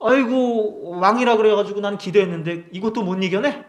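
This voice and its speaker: A man's voice: sits high, a little fast, echoey room, muffled recording, lightly acted. A man voicing a sneering man in a crowd who taunts a dying king. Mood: mocking.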